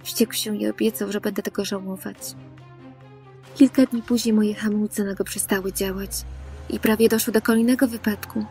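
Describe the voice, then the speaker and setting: A woman reading a first-person story as a scripted voice-over, earnest and hushing at tense moments. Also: medium pitch, fairly even intonation, normal speed, faint music behind. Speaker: narrator.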